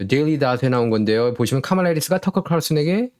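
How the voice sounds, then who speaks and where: List: man, political commentary host, animated, sarcastic, rhetorical questions. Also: medium pitch, quick pace.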